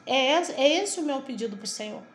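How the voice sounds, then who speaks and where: A middle-aged woman from Brazil delivers a devotional sermon to the camera. Her voice sits high, and she preaches fervently, with emphatic stresses and repeated phrases. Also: lively intonation, fairly quick. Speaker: evangelical preacher.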